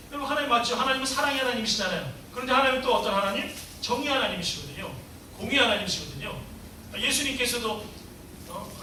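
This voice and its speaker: A man's voice: high voice, bright, forceful tone. A man preaching a sermon in a church, emphatic and asking his congregation questions. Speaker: pastor. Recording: echoey hall, distant mic, faint hiss.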